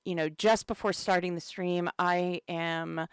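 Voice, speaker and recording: Fighting a cold, this community manager runs a live game stream, greeting chat and talking casually with lots of filler words. She speaks in a lowish, smooth voice at an unhurried pace, and the studio recording is dry.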